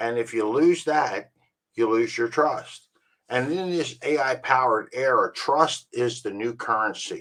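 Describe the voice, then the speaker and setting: Using a plain, everyday voice, a man talks at a medium pitch with ordinary pitch variation. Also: fairly slow pace. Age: 60s. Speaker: real estate appraiser and online entrepreneur. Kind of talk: casual talk to camera.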